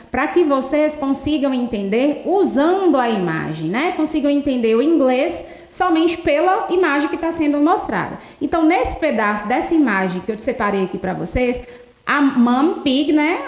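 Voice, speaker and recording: A Brazilian woman teaching an English lesson, explaining step by step and switching between English and Portuguese. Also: high-pitched. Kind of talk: televised lesson. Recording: roomy echo.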